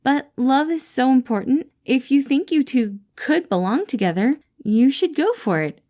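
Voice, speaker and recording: A woman voicing a kind, caring male boss who speaks in a bright, encouraging way. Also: high voice, animated, moderate pace, pitched above the performer's own voice.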